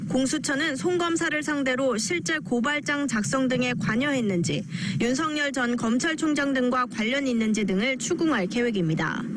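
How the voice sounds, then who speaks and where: A woman's voice: high-pitched, noisy background. A woman reporter reading a scripted news report.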